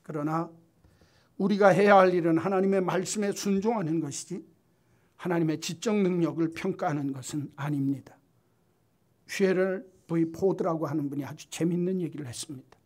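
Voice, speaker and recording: A male pastor preaching a sermon emphatically, building up to loud, forceful lists. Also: fairly high pitch, normal speed. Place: church sanctuary.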